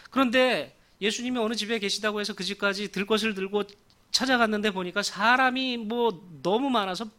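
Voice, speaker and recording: A man preaching a sermon, retelling a story in an animated way and chuckling often. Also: high voice. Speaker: pastor.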